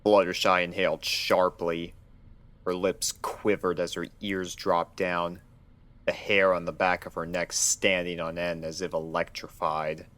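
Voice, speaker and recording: A man narrates a story from a script. His voice sits low and he takes his time, reading at a slow, measured pace. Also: little pitch movement, a bit bright. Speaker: narrator of a fan fiction reading.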